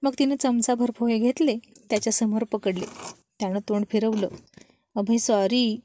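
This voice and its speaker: A woman storyteller reading a love story aloud, in an expressive read-aloud manner. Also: a little high, a little fast, a little hiss or hum. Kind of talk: storybook narration.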